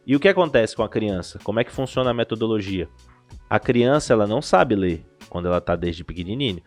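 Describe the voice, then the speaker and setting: Animated Brazilian man explaining things. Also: lowish voice. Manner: animated explainer with frequent restarts. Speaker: language school director, podcast guest. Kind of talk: casual explanatory interview talk.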